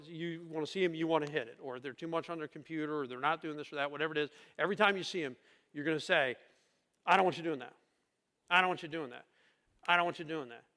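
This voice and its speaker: High-voiced pastor preaching in a reverberant church. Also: male voice, fairly bright tone. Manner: emphatic, asks the congregation rhetorical questions. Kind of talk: conversational sermon. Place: church sanctuary. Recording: long reverb of a church hall.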